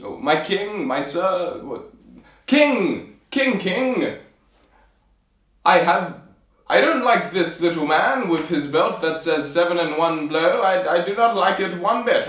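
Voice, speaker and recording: A frightened male soldier from a storybook, acted out by a man telling the tale. His voice climbs high and swoops about as he blusters and repeats himself. The room is echoey. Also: a bit bright, far from the mic, full character voice. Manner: stammering, insistent repetition.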